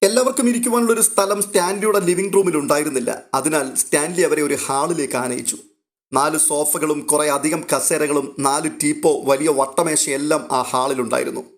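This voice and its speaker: A man narrating a serialized novel in a steady, even storytelling manner. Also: fairly high pitch, moderate pace.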